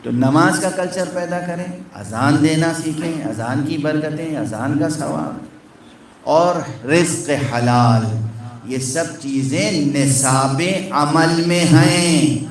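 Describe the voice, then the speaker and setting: A man's voice: fairly high pitch, a little hiss or hum. A man giving a sermon from the pulpit, teaching step by step and putting questions to the gathering. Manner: teaching, counting along, asking the crowd questions. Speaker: Shia cleric. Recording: echoey hall from far off.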